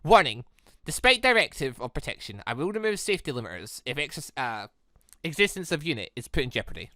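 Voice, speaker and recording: Casting: man playing sentient robot controller for visual novel, cold and formal, bright tone, dry close sound. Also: a little high, very animated, fast talker, dry recording. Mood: cold, detached. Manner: stiff, clipped, formal phrasing. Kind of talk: visual novel character read-aloud.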